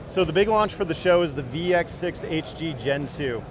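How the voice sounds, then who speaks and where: A man's voice: on the high side, lively intonation, moderate pace. Enthusiastic man demoing gear in a crowd. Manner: enthusiastic, explanatory. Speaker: optics company rep. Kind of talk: product demo. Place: busy indoor trade show floor.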